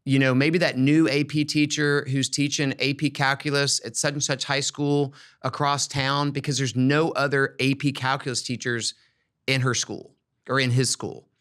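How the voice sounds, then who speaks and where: Male podcast host, medium pitch, conversational and advisory, thinks aloud with repeated words. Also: flat delivery, moderate pace, a bit bright. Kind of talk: casual conversational advice on an education podcast.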